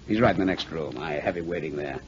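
An actor playing a gruff, impatient family doctor in 1940s radio drama style. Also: male voice, very deep voice, fast talker, heavily acted. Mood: reluctant explaining. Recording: muffled, hissy vintage radio recording.

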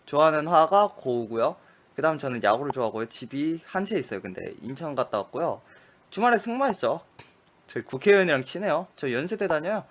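High-ish guy gaming on stream, bouncy swingy voice, quick clipped answers, swears when he messes up. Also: fairly bright tone. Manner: frustrated outbursts and muttered curses at mistakes. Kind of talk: playing a memory quiz game aloud.

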